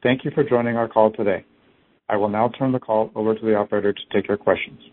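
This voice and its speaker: A man's voice: on the low side, steady tone, fast. A man reading a scripted business presentation as a company executive on an earnings conference call. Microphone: conference call phone line. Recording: narrow tinny phone-line audio.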